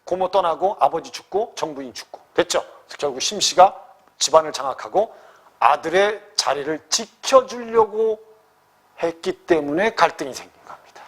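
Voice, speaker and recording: A man's voice: fairly high pitch, expressive, normal speed, fairly bright tone, husky. A man teaching a literature lesson for exam prep, often checking that students follow. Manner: keeps checking with students, questioning.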